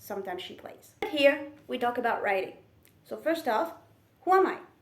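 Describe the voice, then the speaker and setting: In a room with audible echo, a woman talks at a moderate pace with very wide pitch swings and big swings in loudness. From France. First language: French. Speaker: writer and video creator. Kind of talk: casual vlog talk. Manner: slightly halting, self-correcting.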